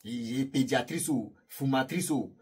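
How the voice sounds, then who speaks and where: A man's voice: medium pitch, moderate pace, a little mellow, slightly rough. A man casually telling a story to his viewers, chatty and rambling, laughing at his own jokes and speaking to the audience directly. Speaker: YouTube storyteller.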